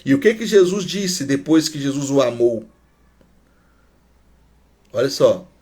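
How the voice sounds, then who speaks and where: A man's voice: mid-range voice, expressive, unhurried, a little mellow. A man preaching a sermon, stressing points by repeating them and sometimes sinking to a near whisper. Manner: emphatic, repeats key phrases, drops to a near whisper.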